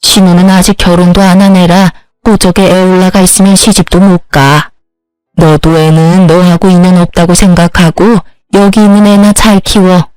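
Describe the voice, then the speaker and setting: A woman's voice: lowish voice, darkish tone, smooth, no echo, lightly acted, poor audio. A woman voicing a pushy, domineering older mother-in-law who gives scolding commands, in a storybook reading.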